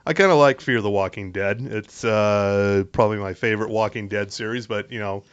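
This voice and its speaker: A man's voice: lowish voice, brisk, clear, resonant tone, lo-fi sound. A man co-hosting a podcast in casual chat, running through upcoming releases with lots of fillers and easy swearing. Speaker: podcast co-host. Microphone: podcast microphone that keeps cutting out.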